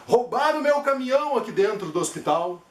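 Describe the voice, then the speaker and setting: Man voicing a confused male patient, earnest and pleading, raised pitch, echoey room. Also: big pitch swings, fairly quick. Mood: complaining.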